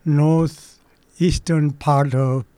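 Man, 80s, Korean accent. Halting, filler-heavy interview answers, unhurried, close and dry. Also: fairly high pitch, steady tone, warm tone, smooth, no room sound. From Manchuria. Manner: slow and hesitant, many pauses and fillers. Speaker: interview guest. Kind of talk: oral history interview.

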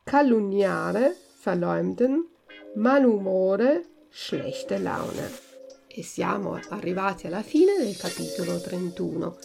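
Slow, deliberate woman language teacher. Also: medium pitch, expressive, gravelly, darkish tone, soft background music. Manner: reads each word slowly and distinctly, pairing Italian and German. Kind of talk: slow vocabulary glossary reading.

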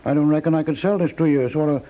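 An actor playing a laconic, canny antique shop keeper with folksy rural phrasing in a 1950s radio comedy. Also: male voice, a little high, fairly even intonation, lightly acted. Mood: slyly regretful. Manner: folksy, drawling rural phrasing, unhurried salesman. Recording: tinny, band-limited 1950s radio recording.

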